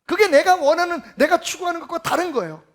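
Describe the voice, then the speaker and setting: A man giving a Sunday sermon as pastor, emphatic and full of rhetorical questions, swinging between loud and soft. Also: extremely high pitch, expressive, fast.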